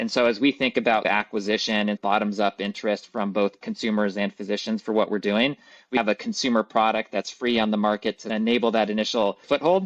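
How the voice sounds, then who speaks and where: An ordinary speaking voice moves at a fairly quick pace. The sound is dry and close with no echo, over a quiet background. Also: man, fairly low pitch for a man. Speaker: startup founder. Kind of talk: interview answer.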